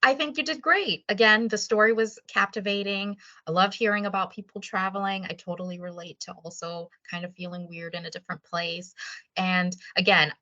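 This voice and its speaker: A woman's voice: medium pitch, fairly even intonation, a little fast, bright, forceful tone, lo-fi sound. A woman hosting an online meeting, chatting casually and encouragingly over a video call. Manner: upbeat and encouraging. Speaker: meeting host.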